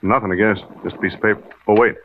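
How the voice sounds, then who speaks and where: An actor playing a plain-spoken, deferential police sergeant in a 1950s radio drama. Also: male voice, on the low side, steady tone, rapid-fire, close to an everyday voice. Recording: muffled old radio recording, hiss.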